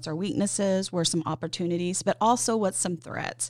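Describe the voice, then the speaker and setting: A woman with an American accent and an unremarkable speaking voice talks at a fairly quick pace. Her fairly low pitch carries lively intonation. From Oklahoma, small town near Sand Springs. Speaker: school district administrator. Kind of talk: casual interview chat.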